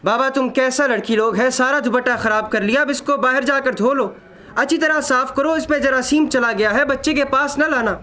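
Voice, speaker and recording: A man's voice: very high-pitched, brisk, sharp tone, voice pushed up. A man voicing a brusque, irritable doctor who scolds in broken grammar, in a dramatic story reading. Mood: bossy. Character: gruff, irritable male doctor scolding poor young parents.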